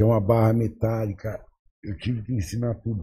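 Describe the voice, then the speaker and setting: A man speaks at a moderate pace in a medium-pitched, somewhat breathy voice with a dark, mellow tone. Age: 60s. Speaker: dentist. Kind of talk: podcast interview. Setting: studio.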